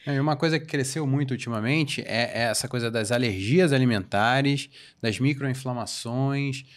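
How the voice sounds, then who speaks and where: A man's voice: medium pitch, moderate pace. A Brazilian man talking casually as a podcast co-host in an interview.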